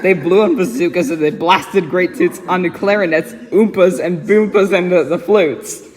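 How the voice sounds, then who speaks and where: A man's voice: sits high, moderate pace. A man doing a dramatic, giggly read-aloud of a rhyming children's picture book. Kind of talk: dramatic storybook reading with frequent giggling. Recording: echoey reverberant room sound.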